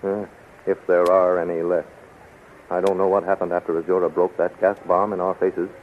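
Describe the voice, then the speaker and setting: An actor playing a courteous, resolute captive captain in a 1930s radio serial, formal and measured. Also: male voice, low voice, little pitch movement, phone-quality sound, close to an everyday voice. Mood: grave, reassuring. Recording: scratchy, thin 1930s radio recording.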